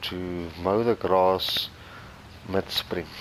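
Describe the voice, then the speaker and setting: Amid noticeable background noise, a man mumbles in a very deep, low pitch. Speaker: gaming youtuber. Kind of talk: let's play commentary. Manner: mumbling.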